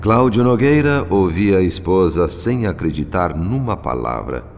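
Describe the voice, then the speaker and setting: Deep, reverberant Brazilian male narrator. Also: big pitch swings. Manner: solemn, deliberate, formal. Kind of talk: dramatic scripted radio narration. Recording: long hall reverb, music behind.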